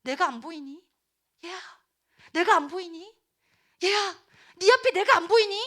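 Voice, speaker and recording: A woman preacher voicing God as he coaxes and pleads with his people, repeating herself warmly. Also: extremely high pitch, lively intonation, moderate pace, voice pushed up. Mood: pleading. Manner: coaxing, repeating "look".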